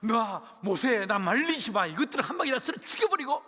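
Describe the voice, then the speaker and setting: 목사가 흉내 내는 격분한 하나님. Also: male voice, sits high, very animated, fairly quick, fairly bright tone, slightly rough, exaggerated voice. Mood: furious. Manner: blunt, hot-tempered outbursts. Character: angry God, furious but restrained, male. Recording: long church reverb.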